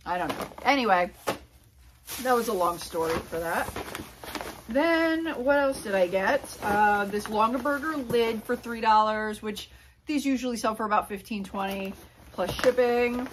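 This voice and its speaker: A woman's voice: fairly high pitch, moderate pace, background noise. Chatty rambling woman showing her thrift haul. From Pennsylvania, USA. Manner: rambling, chatty, many fillers and asides. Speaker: reseller vlogger. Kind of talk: casual haul chat to camera. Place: small indoor room with a couch. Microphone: camera on a tripod at a few feet.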